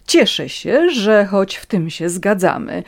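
A woman's voice: mid-range voice, sing-song, takes it slowly, vocal fry, a little mellow, pitched above the performer's own voice, exaggerated voice. A woman voicing a haughty aristocratic countess who speaks with cold contempt. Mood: contemptuous.

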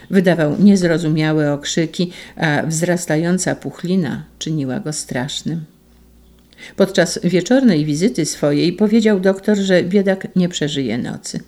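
A reader narrating a classic story in a slow, hushed and measured way. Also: mid-range voice. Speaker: audiobook narrator. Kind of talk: scripted literary narration.

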